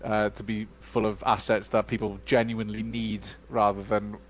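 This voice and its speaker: A Welsh-speaking man co-hosting a casual live-stream Q&A, talking in a chatty, halting way full of fillers and restarts. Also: lowish voice, level tone, muffled recording, a little hiss or hum. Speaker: studio co-host.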